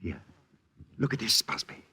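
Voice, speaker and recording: An actor playing a pompous, grandiose movie studio boss in a 1940s radio drama, talking in lofty words. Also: male voice, moderate pace, sharp tone, a little hiss or hum, lightly acted. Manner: grandiose, lofty vocabulary, theatrical. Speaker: studio head.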